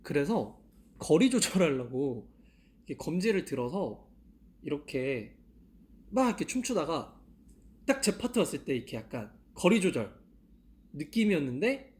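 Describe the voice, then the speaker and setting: A man's voice: a little high, sing-song, moderate pace, long pauses, a little mellow. A young man in his twenties chatting casually to fans on a live stream, laughing often and asking himself questions aloud. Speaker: idol live-stream host. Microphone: handheld mic.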